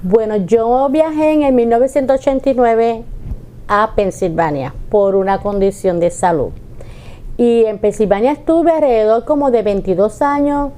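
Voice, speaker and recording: A woman from Ponce, Puerto Rico, with a Puerto Rican accent, telling her story as an artisan guest in a lively way. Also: on the high side, normal speed. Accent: Puerto Rican Spanish. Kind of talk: interview answers.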